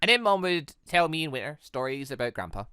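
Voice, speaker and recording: Young game heiress acted by a narrator: proud, easily flustered, earnest, bright and dry-sounding. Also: medium pitch, sing-song, quick pace, clean tone, no echo. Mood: nostalgic.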